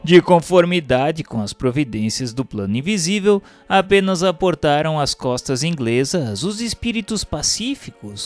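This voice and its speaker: A man with a Brazilian accent reads scripted historical narration in a formal, solemn, measured delivery. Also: fairly high pitch. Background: music bed.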